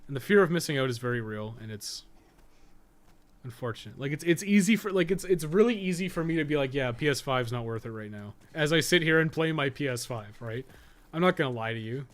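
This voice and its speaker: Brisk and expressive, this medium-pitched male voice narrates a live game stream in a loose, rambling way, thinking out loud mid-play. He's blunt and heavily profane. Background noise is noticeable throughout.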